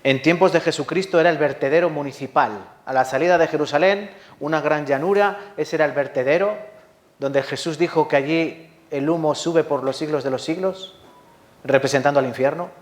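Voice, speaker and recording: A man's voice: a little high, a little fast. A man preaching a sermon with a Spanish accent from Spain, telling stories dramatically with rhetorical questions and acted-out sounds. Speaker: pastor. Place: church hall.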